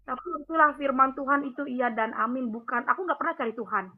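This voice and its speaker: High-voiced woman on a tinny phone line. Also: quick pace. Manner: rambling, many fillers. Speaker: caller giving a testimony. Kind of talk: emotional personal testimony. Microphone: phone call.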